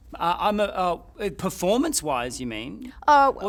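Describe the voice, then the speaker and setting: The speaker talks at a fairly slow pace with an Australian accent. The pitch swings very widely. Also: man, high pitch for a man. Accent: soft Australian. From small country town in Australia. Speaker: theatre performer; interview guest. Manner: deliberately polished theatre voice.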